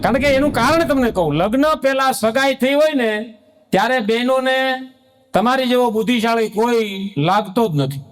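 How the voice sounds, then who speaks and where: A man's voice: very high-pitched, normal speed. A man telling stand-up stories, chatting with the crowd and acting out lines of dialogue. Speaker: stand-up comedian. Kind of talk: Gujarati stand-up storytelling.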